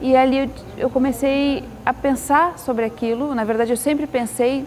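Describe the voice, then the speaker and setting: A woman with a southern Brazilian accent talks at a moderate pace in a high pitch with fairly even intonation, over noticeable background noise. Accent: gaúcho Brazilian Portuguese. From southern Brazil (Rio Grande do Sul, Porto Alegre). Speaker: poet and literature scholar. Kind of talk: interview. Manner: halting, with frequent repetitions.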